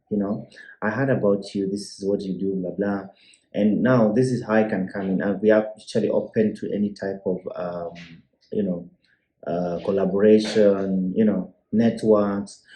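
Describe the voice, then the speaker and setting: Kenyan guy, low mellow voice, easygoing, kinda echoey room. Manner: easygoing, hesitant restarts. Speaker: business owner, guest. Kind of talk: casual interview chat.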